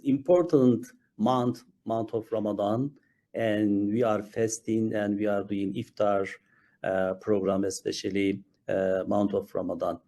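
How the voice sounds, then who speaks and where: A man from Turkey, a Muslim chaplain, speaking haltingly on a panel over a video call, with many fillers and restarts. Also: lowish voice, fairly even intonation, dark tone.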